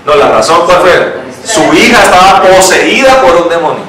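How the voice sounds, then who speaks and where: A male pastor preaching in a lively way, throwing questions out to the congregation and reading scripture aloud. His voice sits fairly high for a man. It rings around a very echoey church hall, picked up from some distance with faint noise behind. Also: moderate pace. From Colombia. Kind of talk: sermon.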